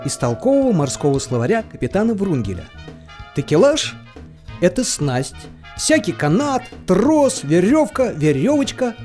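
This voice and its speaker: An actor playing a pedantic dictionary reader, giving definitions in a playful, mock-scholarly, sing-song way. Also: male voice, high-pitched, big pitch swings, normal speed, darkish tone, soft background music. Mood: playfully didactic. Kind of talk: mock-scholarly scripted reading, audio play.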